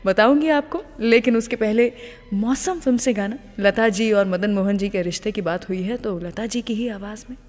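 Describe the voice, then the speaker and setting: A woman's voice: medium pitch, moderate pace. Woman radio host with a long reverb. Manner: lively, poses questions to listeners then answers them. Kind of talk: radio presenting, anecdotal storytelling.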